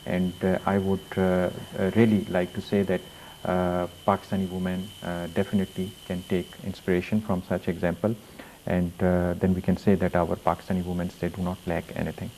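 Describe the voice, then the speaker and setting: A man's voice: sits low, level tone, a little fast, a little mellow, slight background noise, poor audio. A man hosting a television interview show, asking questions with frequent hesitations. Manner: hesitant, many uh fillers. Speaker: TV host.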